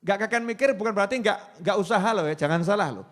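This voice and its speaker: High-voiced Javanese preacher, playful. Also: male voice, fast talker, fairly bright tone. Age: 40s. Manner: playful, joking, mixing in Javanese, acting out quoted voices. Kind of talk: Islamic sermon.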